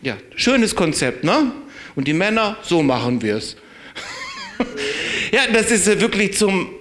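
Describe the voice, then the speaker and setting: A man preaching a sermon in a conversational, emphatic way. He chuckles at his own points, stretches key words out slowly and drops into quiet asides. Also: high voice, huge pitch swings.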